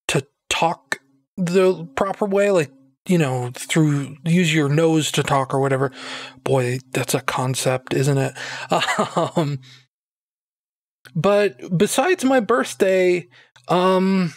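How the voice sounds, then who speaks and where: A man's voice: fairly high pitch, dry recording. A man hosting a casual solo podcast, rambling with lots of fillers and joking at his own expense, his throat a bit phlegmy and nasal. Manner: rambling, filler-heavy, self-deprecating joking. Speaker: podcast host.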